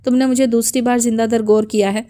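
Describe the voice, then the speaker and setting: A woman's voice: fairly high pitch, fairly even intonation, warm tone, natural voice. A woman voicing a stern, unforgiving old grandfather who scolds harshly in an audiobook. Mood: furious.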